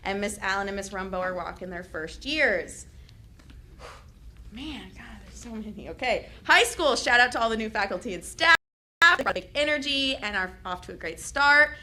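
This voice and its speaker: A young woman who is a teacher reads shout-outs at a school board meeting, chatty and loud, with laughing asides. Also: medium pitch, lively intonation, moderate pace. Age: young adult. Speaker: teachers association representative.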